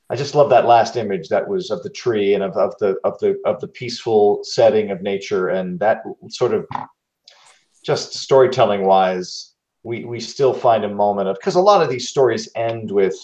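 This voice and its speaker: A man's voice: fairly low pitch, a little mellow. A man chatting casually on a podcast, talking in an effusive, meandering and thoughtful way. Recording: roomy, echoey, dull lo-fi call audio.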